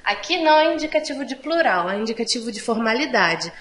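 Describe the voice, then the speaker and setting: Woman teacher going thru french examples slowly, kinda high voice, echoey room. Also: sing-song, fairly bright tone, a little hiss or hum. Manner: slow, patient explaining; mixes Portuguese explanations with French examples. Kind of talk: online language lesson.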